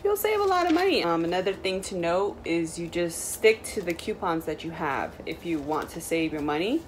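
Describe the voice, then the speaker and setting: A woman's voice: fairly low pitch, sing-song, moderate pace, a little hiss or hum. A young woman with a Native American reservation accent, talking in a casual, informal, rambling vlog style. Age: young adult. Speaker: vlogger. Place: small room indoors.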